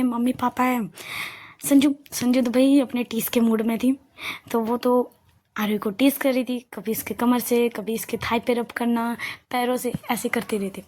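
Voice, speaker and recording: A woman's voice: fairly high pitch, darkish tone. A woman casually telling a love story aloud, rambling and often correcting herself.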